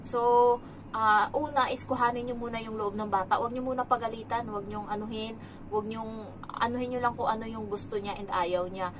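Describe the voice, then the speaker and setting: A woman's voice: a little high, fairly even intonation, brisk, background noise. A woman from the Philippines, a domestic helper, telling a story in a casual vlog and switching between Tagalog and English.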